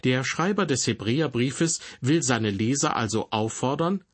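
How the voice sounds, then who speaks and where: A man giving a scripted radio Bible teaching in a calm, measured, explaining way. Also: mid-range voice, slightly rough.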